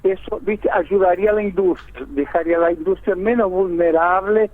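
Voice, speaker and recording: A man's voice: high voice, fairly quick. A man from Argentina with a Brazilian-tinged Argentine Spanish accent, an economist explaining his points step by step in a radio interview over the phone. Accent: Argentine Spanish with a Brazilian Portuguese lilt. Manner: explanatory, lays out points in order, tag "¿viste?". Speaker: economist guest. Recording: tinny phone line.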